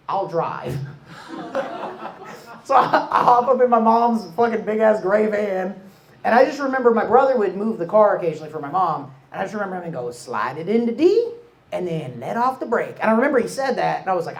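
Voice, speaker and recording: A man's voice: sits high, vocal fry, echoey room. A man telling a crude, profane, self-mocking story at a live storytelling show.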